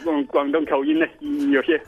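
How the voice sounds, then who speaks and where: A man phoning a radio show chats casually and haltingly, repeating words as he goes, over a dull phone-in line. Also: a little high, level tone, breathy edge, soft background music.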